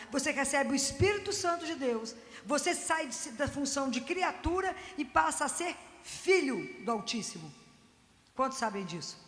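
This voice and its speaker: Woman, high voice, fervent sermon, asks the audience questions, long hall reverb. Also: a bit bright. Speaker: Catholic lay speaker.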